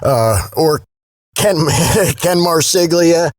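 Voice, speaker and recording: A man's voice: fairly high pitch, expressive, slow, no room sound. Blunt man, dry close podcast sound. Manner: blunt, informal, salty. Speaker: voice actor, podcast guest. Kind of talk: casual interview chat.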